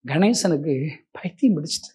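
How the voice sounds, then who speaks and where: A middle-aged male preacher giving an emotional testimony sermon. He swings between loud pleading and hushed, near-tearful talk, and addresses his listeners respectfully and directly. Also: on the high side, animated, a little fast, husky.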